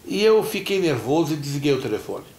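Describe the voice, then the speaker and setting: Brazilian pastor telling a story in church, acts out the voices, kinda high pitched, echoey hall. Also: male voice, fast. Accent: Brazilian Portuguese. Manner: animated storyteller who acts out dialogue. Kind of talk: sermon storytelling. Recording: roomy church echo.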